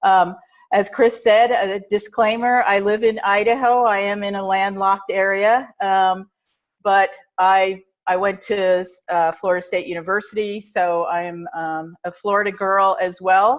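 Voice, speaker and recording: With an ordinary speaking voice, a woman talks at a fairly slow pace in a medium pitch, her intonation fairly even against a quiet background. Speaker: nonprofit executive director. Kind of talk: webinar presentation. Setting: webinar call.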